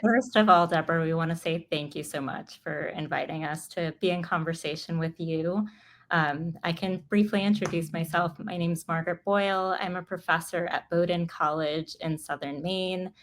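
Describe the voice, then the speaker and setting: Creaky-voiced American woman in an interview. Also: lowish voice, fairly even intonation, normal speed. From Los Angeles, United States. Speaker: guest author and professor. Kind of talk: conversational interview answers.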